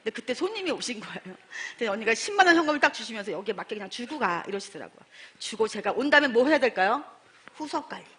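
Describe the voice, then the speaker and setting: A middle-aged woman giving a sales testimony as a story, animated, acting out dialogue and quizzing her audience. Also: a little high, very fast, slightly rough. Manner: animated, acts out dialogue, asks the audience questions. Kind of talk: storytelling talk to a seminar audience.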